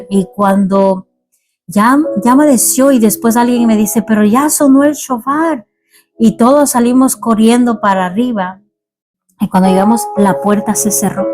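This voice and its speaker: Earnest woman preaching over music. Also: fairly high pitch. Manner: earnest, exhorting, repeats phrases for emphasis. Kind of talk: sermon testimony. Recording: music playing clearly behind her.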